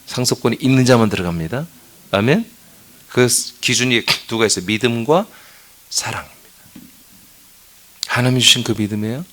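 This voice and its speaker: A man's voice: medium pitch, quick pace, fairly bright tone. A male pastor preaching at a dawn church service, telling a story in a chatty way and scolding with humor. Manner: asks the congregation for answers. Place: church sanctuary.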